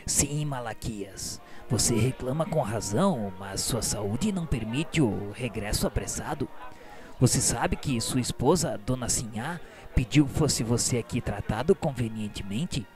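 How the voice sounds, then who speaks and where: A man playing a patient, kindly healer in a radio novela, speaking in a gentle, measured, soothing way. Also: mid-range voice, animated, natural voice. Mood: gentle, reassuring. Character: patient, kindly male spirit-world healer. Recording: music under the voice.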